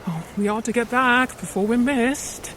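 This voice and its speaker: A woman's voice: a little high, moderate pace, a bit bright, a little hiss or hum, natural voice. An actress playing an anxious, cautious female palace servant in an audio drama. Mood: worried. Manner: fretful and wary.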